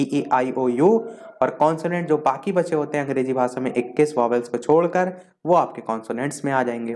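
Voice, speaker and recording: Man, teacher, somewhat high voice, exam revision lesson, lists terms one by one. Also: darkish tone. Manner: explains step by step, listing terms one by one; slows down to read out English definitions.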